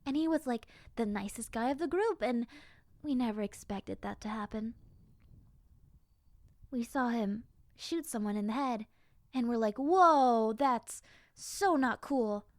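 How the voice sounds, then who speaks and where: A woman plays a friendly young zombie girl with a highish, girlish voice. She chats casually and directly to the listener, like a lonely survivor glad of company in an audio roleplay. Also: unhurried, long pauses, dry recording, clean studio sound. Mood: chatty. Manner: casual, chatty, conversational, girlish.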